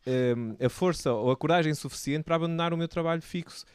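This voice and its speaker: A man with a European Portuguese accent giving a casual personal account in a halting, reflective way. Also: fairly high pitch, clear, resonant tone, no echo. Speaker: video producer turned entrepreneur.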